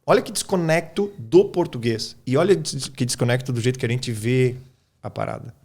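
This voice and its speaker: A man's voice: mid-range voice, moderate pace, darkish tone, breathy edge. A man from Brazil, an English teacher on a podcast, explaining his method in an informal way and often checking that the listener follows. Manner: informal, keeps checking in with "tá?" and "cara". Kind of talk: casual explanatory podcast talk.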